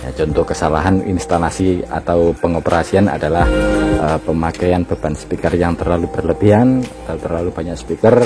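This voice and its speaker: A man with a very low voice and a Javanese-region Indonesian accent narrates an informal explainer. He speaks colloquially, addressing the listener like a buddy. Music plays clearly behind him. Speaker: DIY electronics video host.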